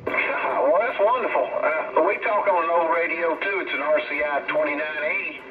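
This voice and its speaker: A man's voice: on the high side, normal speed, far from the mic. Texan man on a very noisy CB radio. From Texas, USA. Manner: folksy, uses colloquial sayings. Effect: received over shortwave CB radio. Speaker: CB radio operator. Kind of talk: casual two-way radio chat. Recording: muffled, very noisy CB radio transmission.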